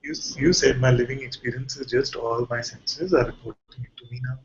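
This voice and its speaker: A man leading an informal guided spiritual dialogue as a teacher, asking probing questions and pausing mid-sentence. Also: medium pitch, steady tone, muffled recording, slight background noise.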